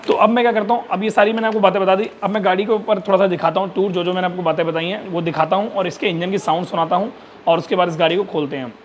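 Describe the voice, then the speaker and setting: A man with a high voice talks fast through a casual motorcycle workshop walkthrough. He repeats his points as he points things out on the bike, and faint workshop noise sits under his voice. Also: fairly even intonation. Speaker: motorcycle mechanic and channel host.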